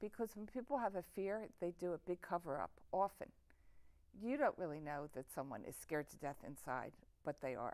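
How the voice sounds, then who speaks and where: The speaker's pitch swings very widely at a moderate pace. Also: woman, fairly low pitch for a woman. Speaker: public relations executive. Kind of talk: interview.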